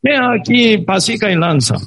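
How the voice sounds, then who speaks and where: A man's voice: sits high, animated, moderate pace, a bit bright, breathy edge, pitched above the performer's own voice, heavily acted. A man voicing a young male warrior who pleads his loyalty to a king, in an earnest, raised voice. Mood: pleading.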